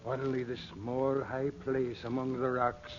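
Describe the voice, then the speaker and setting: An actor playing a servile, superstitious Arab henchman in a 1940s radio drama, speaking haltingly and fearfully. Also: medium pitch, little pitch movement, a little mellow, highs cut off, a little hiss or hum, lightly acted. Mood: grave, fearful. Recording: band-limited 1940s radio recording with music.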